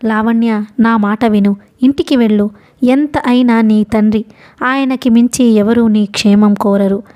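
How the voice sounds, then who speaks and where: A woman voicing a guarded young man who reasons gently and earnestly, in an audiobook. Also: high voice, steady tone, unhurried. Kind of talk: audiobook character reading.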